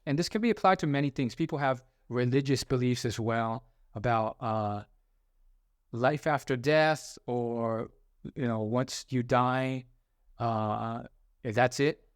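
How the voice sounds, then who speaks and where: A young man hosts a self-help video, giving a casual motivational monologue full of fillers and restarts as he rambles through his advice. His medium-pitched voice is clear and resonant, and he speaks slowly. The sound is clean studio audio with no room sound.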